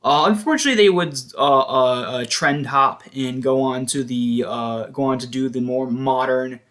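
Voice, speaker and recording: A man's voice: mid-range voice, fairly bright tone. A man giving a casual, hesitant show-and-tell commentary as a collector, often stopping to correct himself. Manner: halting, hesitant, self-correcting. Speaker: music collector vlogger.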